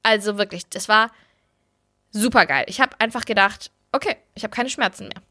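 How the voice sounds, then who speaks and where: Bright-voiced young woman telling a story. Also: medium pitch, normal speed. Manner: candid and blunt, swears freely. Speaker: podcast host. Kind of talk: casual chat, telling a birth story.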